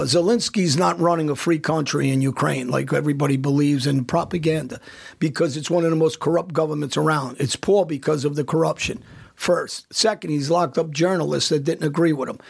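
A man's voice: fairly high pitch, fairly quick, gravelly, slightly rough. A man hosting a podcast in casual chat, blunt and emphatic, often restarting his sentences. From United States. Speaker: podcast host.

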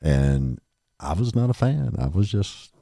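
A middle-aged man with a very deep voice hosting a podcast, chatting in a rambling, laid-back way. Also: big pitch swings, measured pace, vocal fry, mellow, no echo, clean studio sound. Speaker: podcast host. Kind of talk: casual chat.

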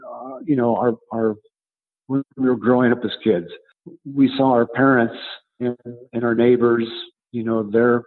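This coach and author, a man in his seventies, speaks at a medium pitch over phone-quality audio. He responds to interview questions in a conversational way, pausing haltingly and repeating words while he works out his thoughts.

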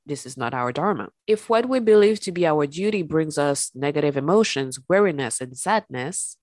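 Low-voiced congested woman podcast host. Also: no echo, studio quality. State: congested, recovering from illness. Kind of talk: calm spiritual podcast talk.

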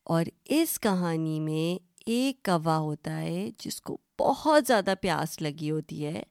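A woman's voice: medium pitch, clean tone, no room sound, studio quality. A woman hosting a children's story podcast, telling stories and quizzing young listeners in a friendly, teacherly way that mixes Urdu and English.

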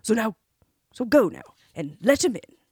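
A woman's voice: a little high, sing-song, normal speed, darkish tone, husky, no echo, pitched above the performer's own voice, full character voice. A woman reading a storybook, voicing a stern older king who speaks firmly to his daughter. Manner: firm, commanding. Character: stern old king, firm father.

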